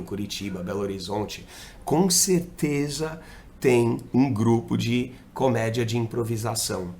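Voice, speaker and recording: A man, co-hosting a casual podcast. He explains dating advice in an animated, slangy way, with many examples. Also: medium pitch, slight background noise. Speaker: podcast co-host and dating coach.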